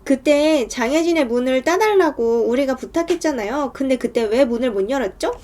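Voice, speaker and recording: A woman voicing a sharp, probing woman lawyer. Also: high voice, expressive, fairly quick. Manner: pointed, probing questions. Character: sharp middle-aged woman defense lawyer, pointed.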